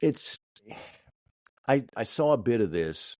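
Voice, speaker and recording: A man from Kansas co-hosting a podcast, telling stories in a halting way with many restarts. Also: mid-range voice, big pitch swings, darkish tone, no echo, studio quality. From Kansas, USA. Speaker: podcast co-host. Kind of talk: casual podcast chat.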